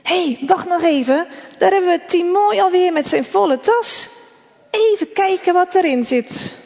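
A woman's voice: extremely high pitch, animated, unhurried, a little mellow, big-room sound, muffled recording, voice pushed up, exaggerated voice. A woman voicing a mean schoolboy bully in a read-aloud story, taunting and mocking.

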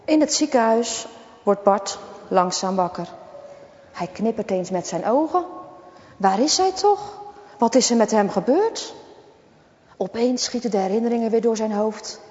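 A woman reading a children's story aloud in a lively, dramatic way. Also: fairly high pitch, measured pace, pauses often. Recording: dull, echoey recording.

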